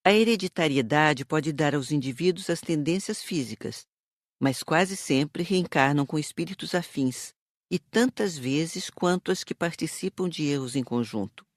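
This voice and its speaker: An actor as higher-pitched male teacher. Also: a little slow, dry recording, clean studio sound, natural voice. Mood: instructive. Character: male spirit teacher explaining doctrine to students. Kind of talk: dramatized audiobook narration.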